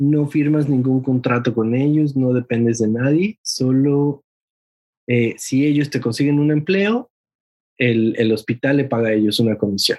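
A man with a Mexican accent speaks fairly slowly at medium pitch, with ordinary pitch variation and very even loudness. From Mexico. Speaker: doctor. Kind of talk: interview.

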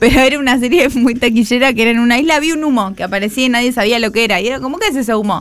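Speaking at a very fast pace with hardly any pauses, a woman uses a high pitch with ordinary pitch variation. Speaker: radio host. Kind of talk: casual chat. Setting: studio.

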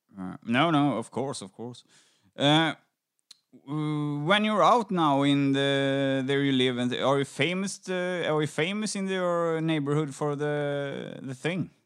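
With a Swedish accent, a man speaks very slowly at a fairly high pitch. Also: ordinary pitch variation. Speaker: podcast host. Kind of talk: casual interview. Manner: halting.

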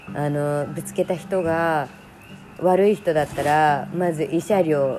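Over noticeable background noise, the speaker uses a relaxed tone, a very slow pace, and ordinary pitch variation. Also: woman. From Japan. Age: 30s. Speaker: podcast host. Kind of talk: casual monologue. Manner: relaxed, chatty.

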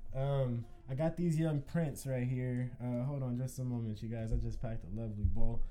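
This is an ordinary speaking voice from a man at a medium pitch. He keeps a moderate pace with ordinary pitch variation. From Los Angeles (Mid City). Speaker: music producer and DJ. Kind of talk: casual chat.

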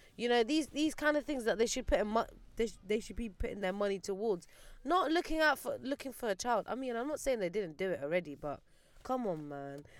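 A London accent, a fairly quick pace and very wide swings in pitch. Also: woman, fairly high pitch for a woman. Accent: British, London-style. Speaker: podcast co-host. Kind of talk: casual chat.

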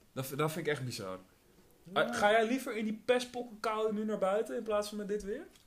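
A man talks in a high-pitched voice. His pace is fairly quick. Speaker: podcast co-host. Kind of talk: casual chat. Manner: loud.

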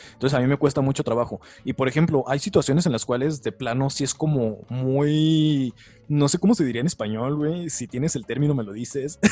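A man speaks at a fairly high pitch with a dark, mellow tone. His pace is fairly quick, and his pitch varies in an ordinary way. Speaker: podcast co-host. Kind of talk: casual chat.

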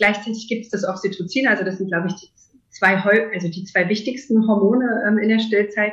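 Here is a woman with an ordinary speaking voice and a fairly high pitch. She keeps a moderate pace and fairly even intonation. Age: 30s. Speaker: physician and lactation consultant. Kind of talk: interview.

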